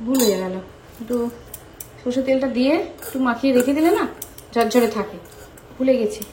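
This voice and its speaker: This lifestyle vlogger, who has a West Bengal Bengali accent, talks chattily and exclaims as she describes her activities, moving from a mango-tree garden to her home kitchen. She speaks fairly quickly in a slightly high voice with a darkish tone. A little hiss or hum comes through the poor-quality recording.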